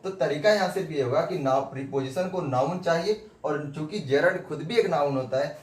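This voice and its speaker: A man giving a whiteboard grammar lesson who keeps asking questions and answering them himself, repeating points. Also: a little high. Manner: repetitive, asks and answers his own questions. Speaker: English grammar teacher. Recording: echoey room with faint background noise.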